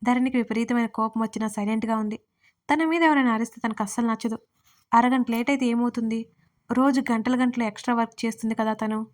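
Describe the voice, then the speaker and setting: Lady reading her own audio story, steady even delivery, fairly high voice that barely moves. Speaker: writer and narrator. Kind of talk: scripted audio story narration.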